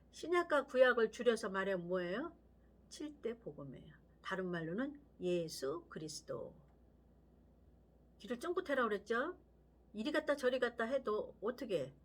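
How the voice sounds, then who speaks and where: An older woman pastor preaching a sermon in an animated storytelling manner, sometimes dropping to a whisper for emphasis. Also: on the high side.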